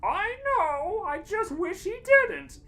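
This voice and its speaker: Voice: very high-pitched, sing-song, slow pace, creaky, pushed and bright, pitched above the performer's own voice, heavily acted. A podcast reader voicing a small, earnest cartoon fairy from a comic fan story. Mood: earnest, fretting. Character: squeaky little fairy couple from a cartoon fanfic.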